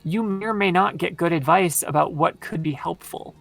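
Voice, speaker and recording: A woman with a very low voice, explaining at length in casual conversation with many fillers, her voice tired from long talking. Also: moderate pace, vocal fry, faint music behind. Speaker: podcast guest.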